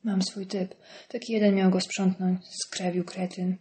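A woman's voice: medium pitch, level tone, a little slow, warm tone, natural voice. A woman voicing a grieving, angry young male prisoner in an audiobook, speaking curtly and harshly. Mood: grim. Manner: curt, harsh.

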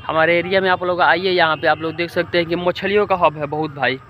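A man's voice: a little high, steady tone, fast talker, lo-fi sound. A young man vlogging outdoors by a pond, talking chattily to viewers on a phone held at arm's length. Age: young adult. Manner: chatty, addresses viewers directly, mixes in English words. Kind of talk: casual outdoor vlog. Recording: noisy outdoor phone recording.

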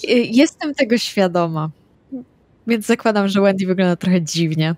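A woman's voice: medium pitch, normal speed, darkish tone, no echo. A woman chatting casually as a player in a tabletop role-playing session. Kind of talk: casual tabletop game chat.

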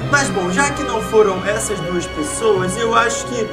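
A woman with a high voice hosts a gaming video as a playful storyteller. She questions her characters theatrically, like an accusing investigator, with music playing behind her. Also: normal speed. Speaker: host of a gaming video channel. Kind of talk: playful improvised story narration with game characters.

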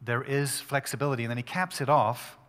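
A male pastor preaching a sermon at a pulpit microphone, talking in an emphatic, conversational way with quick restarts. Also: mid-range voice, steady tone, a bit bright, in a large hall.

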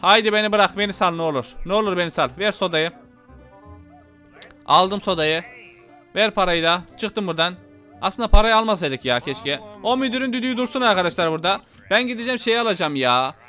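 A man giving casual, excitable let's-play commentary as a gaming YouTuber, panicking and talking to his viewers as friends. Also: high voice, fairly quick, soft background music.

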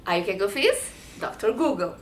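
Interview guest: woman, 30s, European Portuguese accent, expressive storyteller; lapel mic, slight room echo. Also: medium pitch, moderate pace, slight background noise. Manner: expressive, talks with her hands. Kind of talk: personal story in a sit-down interview. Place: bright studio set with sofa and shelves.

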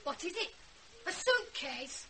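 A woman's voice: extremely high pitch, very animated, slow pace, very noisy, heavily acted. An actress playing a rebellious, morbid fifteen-year-old girl in a radio drama, defiant and brooding. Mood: sullen.

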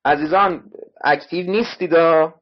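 Man teaching a literature class online, a bit husky, drills words and spellings over a muffled lo-fi mic. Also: a little high. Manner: explains word by word, repeats spellings to students. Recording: dull lo-fi online class audio.

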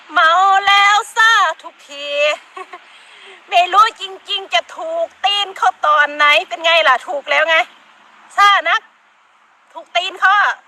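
A middle-aged woman with an Isan accent scolds in a very high, bright voice during a heated live-stream rant. She talks outdoors in the countryside, with animals and outdoor noise faintly behind her. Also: a little slow, long pauses. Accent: Northeastern Thai (Isan). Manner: scolding, emphatic, frequent laughter, Isan dialect words.

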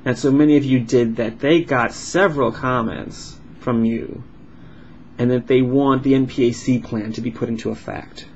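A man speaks as a live interpreter, explaining point by point in halting phrases with uneven pauses. His pitch sits in an ordinary male range. The recording is dull and lo-fi, with noticeable noise behind him. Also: fairly even intonation. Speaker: sign language interpreter voicing a signed vlog. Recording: dull lo-fi sound with clear background noise.

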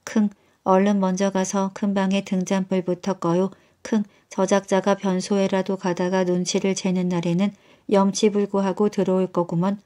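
Woman doing a sly con man, fake sniffle, hushed, smug, mellow storybook voice. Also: mid-range voice, level tone, normal speed, close to an everyday voice. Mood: sly whisper. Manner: whispering, snorting, smug. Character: sly loafer man faking a nasal voice.

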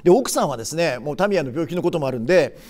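A man in his sixties hosting a show, explaining film history in a chatty way with many short filler pauses. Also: a little high, expressive, a little mellow. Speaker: film commentary host. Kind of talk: casual film commentary.

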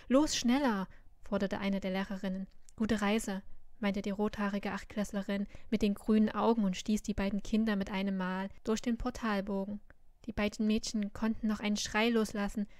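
A woman reads a fantasy novel aloud, in an audiobook style. Her delivery is measured and even, with very little rise and fall in pitch. The recording is dry and close, with no room echo. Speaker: reader of a web novel.

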